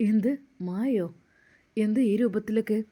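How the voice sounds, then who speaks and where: A woman voicing a young, gentle male Muslim cleric who asks soft, concerned questions. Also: mid-range voice, moderate pace, lightly acted.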